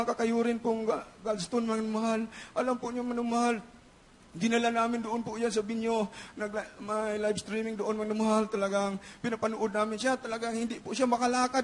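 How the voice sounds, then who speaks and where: A middle-aged man giving a church testimony with fervent, repeated hallelujahs and frequent shouting. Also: extremely high pitch. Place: large church hall.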